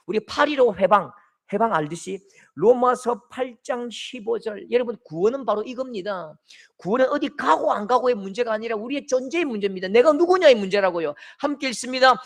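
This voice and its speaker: A middle-aged man with a Gyeongsang Korean accent preaching a sermon, acting out quoted voices and swinging from loud shouts to soft, tender lines. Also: very high voice, animated, a little fast, creaky. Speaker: pastor.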